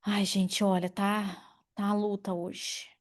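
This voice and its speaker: A woman in her forties preaching a sermon in an animated, personal way, calling on members of the congregation by name. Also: medium pitch, slow. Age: 40s. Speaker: pastor.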